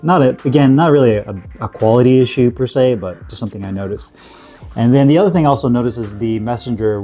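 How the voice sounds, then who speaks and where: A man with a cold, sniffling a bit, reviewing gear in a relaxed, rambling way full of fillers and restarts. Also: on the low side. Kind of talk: casual product review.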